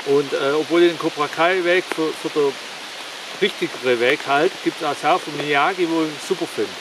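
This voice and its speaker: A man in his forties talking casually to camera in a forest, rambling and halting. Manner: rambling, halting with many fillers; louder and higher while demonstrating strikes. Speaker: martial arts YouTuber. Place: forest, outdoors. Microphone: camera on the ground, several meters off. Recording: distant camera mic with rain hiss.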